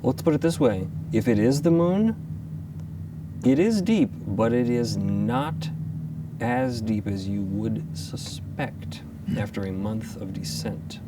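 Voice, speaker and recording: A man with a low voice narrates as game master in a deliberate, suspenseful way. He sounds set back from the mic, under a loud rumbling ambience. The phrasing is dramatic, built for an improvised adventure story. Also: animated, far from the mic, very noisy. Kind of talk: improvised atmospheric narration for an audio tabletop game.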